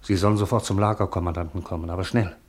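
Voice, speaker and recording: An actor playing an urgent, secretive camp messenger in a radio drama, speaking in a hushed, hurried way. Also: male voice, low-pitched, steady tone, breathy edge. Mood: hushed urgency. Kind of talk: German radio drama acting.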